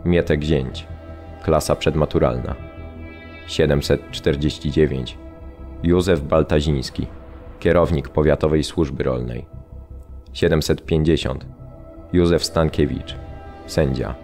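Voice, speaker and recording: An actor playing a sombre, restrained prisoner, recounting memories in a measured radio drama delivery. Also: male voice, extremely low pitch, steady tone, warm tone, faint music behind. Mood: grave, restrained. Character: Polish male camp prisoner recounting his arrival, sombre and restrained. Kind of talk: radio drama memoir narration.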